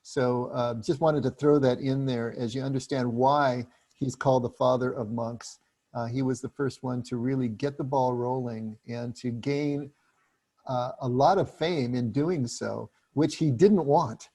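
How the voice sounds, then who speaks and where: Gravelly, husky man leading a book study. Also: mid-range voice, measured pace. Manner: relaxed, chatty explaining with restarts.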